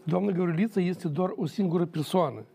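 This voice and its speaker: Guy on a tv panel, high voice, gravelly and kinda dark, repeats himself for emphasis. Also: slight background noise. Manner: measured, emphatic repetition. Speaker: talk show guest, former judge. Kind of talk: studio political debate.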